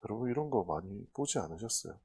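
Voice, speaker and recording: A woman pastor preaching a sermon in a church, telling stories animatedly. She acts out quoted dialogue, jumping to loud bursts and dropping to hushed asides. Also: very deep voice, animated, fast, husky. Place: church sanctuary.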